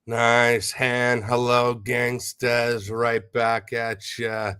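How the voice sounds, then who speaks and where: A man hosting a casual live audio stream, sounding nasal and stuffy from a head cold and giving upbeat shout-outs to listeners. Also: medium pitch, little pitch movement, drawn-out words, clear, resonant tone. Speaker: host. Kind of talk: casual livestream chat.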